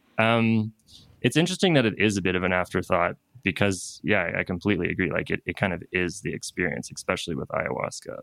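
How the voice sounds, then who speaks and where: In a dry, close recording with no echo, a man with a very deep, low pitch and vocal fry talks at a very fast pace. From East Coast of Canada. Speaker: freelance writer. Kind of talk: casual interview conversation. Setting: remote call over the internet.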